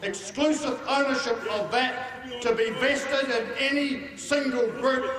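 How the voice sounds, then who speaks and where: A man making a slow, forceful declaration at a public rally. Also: very high-pitched, fairly even intonation. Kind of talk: rally speech. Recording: echoing hall, far mic, crowd.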